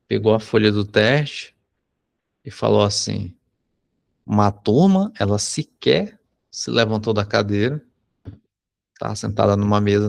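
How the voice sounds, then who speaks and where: A Brazilian man, a psychology teacher, telling a personal anecdote in a conversational lesson, often tagging sentences with a quick question. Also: fairly low pitch, gravelly. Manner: conversational, frequent tag questions. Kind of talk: anecdote told in a recorded lesson.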